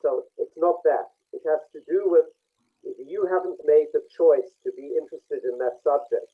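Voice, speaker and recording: A man on a video call reading a participant's face for a group session, speaking reflectively with pauses. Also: on the high side, slightly rough. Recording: tinny phone-like call audio.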